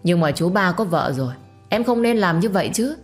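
A woman's voice: on the low side, expressive, brisk, faint music behind, voice pushed up. A woman voicing a scheming sister-in-law who chides with false kindness. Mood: chiding. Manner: chiding, falsely kind. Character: scheming elder sister-in-law, sweet-faced.

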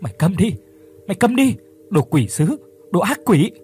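A man's voice: high voice, big pitch swings, moderate pace, darkish tone, slightly rough, pitched above the performer's own voice, full character voice. A man voicing a frightened, desperate young office worker who screams in panic. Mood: panicked screaming. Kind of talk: audiobook character voice.

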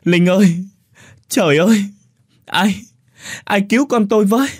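A man voicing a frantic mother crying for help, with shrill wailing cries. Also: unhurried, husky. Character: frantic mother screaming for her daughter.

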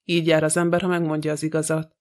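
A man's voice: fairly high pitch, monotone, natural voice. A man reading an audiobook, voicing a sly, gossipy old female housekeeper who talks with scorn. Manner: grumbling, scornful.

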